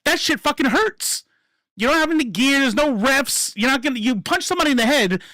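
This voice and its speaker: Guy swearing a lot while he tells stories, high voice that jumps all over, dry close sound. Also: fairly quick, no room sound. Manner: profane, animated, acts out quotes. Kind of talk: casual storytelling chat.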